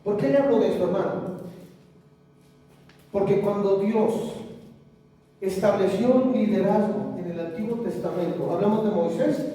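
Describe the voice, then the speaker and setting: A man's voice: high-pitched, moderate pace, pauses often, mellow. A man with a Mexican Spanish accent preaching a sermon as pastor, asking the congregation for amens and answers. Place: church hall. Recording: echoey church hall, mic far off.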